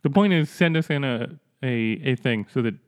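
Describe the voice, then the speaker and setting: A man co-hosting a podcast, making dry deadpan jokes in casual comedic chat. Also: mid-range voice, normal speed, dry recording. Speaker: podcast co-host.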